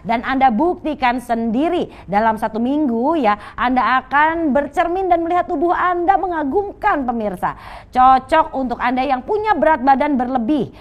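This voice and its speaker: A woman with an Indonesian accent presenting an infomercial sales pitch, persuasively urging viewers to buy and addressing them directly again and again. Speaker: home shopping presenter.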